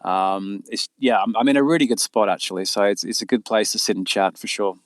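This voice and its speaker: A man's voice: fairly low pitch, a little fast, no room sound, studio quality. A man, an author chatting casually as a podcast guest. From Australia. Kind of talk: casual interview chat. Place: quiet spot by the water.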